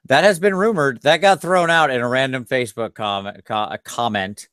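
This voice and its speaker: A man hosting a casual tabletop gaming podcast, tired after a long day and talking in an animated, self-deprecating ramble. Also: medium pitch, moderate pace, clean tone, no echo, clean studio sound. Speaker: podcast host. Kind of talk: casual chat.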